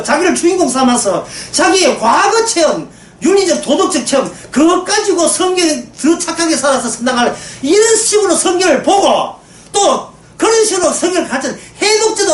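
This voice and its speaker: A woman's voice: sits high, a little hiss or hum. A woman preaching a sermon, emphatic and full of rhetorical questions, often prodding listeners for agreement. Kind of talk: sermon lecture. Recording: echoey room from a distance, faint ambience.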